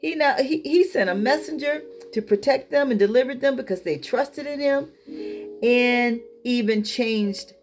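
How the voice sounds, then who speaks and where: A woman's voice: on the high side, darkish tone. A woman reading scripture aloud as a Bible teacher, breaking off into informal, emphatic comments of her own. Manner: colloquial, emphatic asides.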